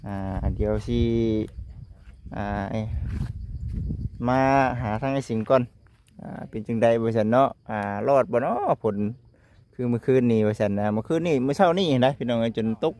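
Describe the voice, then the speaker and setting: Isan man, village vlogger, chatty and mid-pitched, keeps hailing his viewers. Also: fairly quick, warm tone, slight background noise. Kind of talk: casual talk to viewers.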